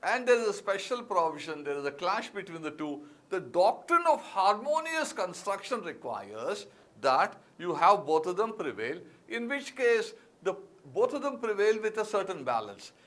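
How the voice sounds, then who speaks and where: A man's voice: sits high, very animated, moderate pace, fairly bright tone. A man with an Indian English accent giving a classroom lecture as an exam-prep teacher, emphatic and repeating key words, with frequent fillers. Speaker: civil services exam teacher.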